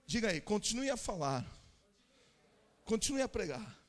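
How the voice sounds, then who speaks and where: A man with a Brazilian Portuguese accent preaching a Pentecostal sermon at a church conference, moving between chatty asides and shouted exhortation. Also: high voice, very animated, moderate pace. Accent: Brazilian Portuguese, São Paulo interior. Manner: swings from conversational asides to shouted, fervent exhortation; speaks in tongues amid the preaching.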